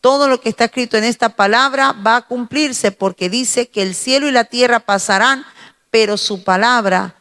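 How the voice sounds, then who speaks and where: A woman with a Spanish accent from Spain giving a slow, emphatic morning devotional sermon, pausing and repeating her phrases as she preaches. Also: on the high side, fairly bright tone, long reverb tail.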